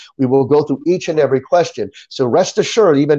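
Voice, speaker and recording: A man's tone is dark and mellow, with a quiet background around him. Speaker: Bible Q&A host. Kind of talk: livestream host announcement. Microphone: earbuds.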